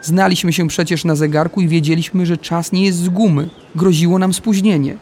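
A man narrating a children's adventure story in the first person, with a lively storytelling delivery. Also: fairly high pitch, brisk, slight background noise.

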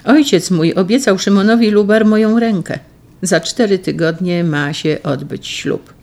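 A reader voicing a devoted young noble woman in an audiobook, urgent and pleading, with a gravelly edge. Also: on the low side, unhurried, a little mellow, pitched above the performer's own voice. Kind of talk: audiobook reading.

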